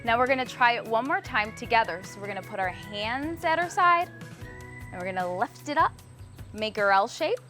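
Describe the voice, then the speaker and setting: A woman's voice: a little high, lively intonation, normal speed, bright, forceful tone, soft background music. A woman teaching children sign language, cheerful and encouraging as she gives step-by-step instructions. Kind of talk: children's lesson. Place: public access TV studio.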